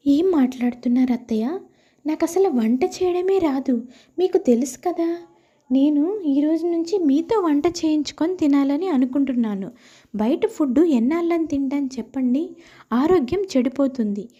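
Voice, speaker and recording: A woman's voice: high voice, animated, normal speed, mellow, lo-fi sound. A woman voicing a reproachful, status-conscious elder daughter-in-law who chides others in a family story. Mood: complaining. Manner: chiding.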